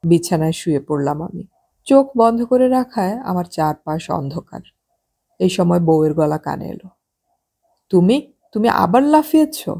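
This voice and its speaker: A woman narrating a novel as an audiobook in a calm, measured reading style. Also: on the low side, gravelly, husky.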